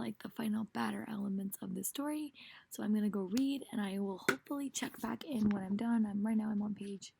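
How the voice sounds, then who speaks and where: A young woman with a hoarse voice, a teacher chatting casually to camera in a reading vlog, rambling with many "um"s and "really"s. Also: mid-range voice, slight background noise. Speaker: book vlogger and teacher.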